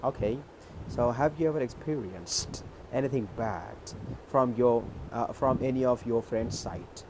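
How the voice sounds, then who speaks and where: A man from Maharashtra with an Indian accent, a native Urdu speaker, tutoring English on a video call in a measured, explanatory way. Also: medium pitch, noisy background. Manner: measured, explanatory, checks in with "okay". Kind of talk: conversation practice on a video call.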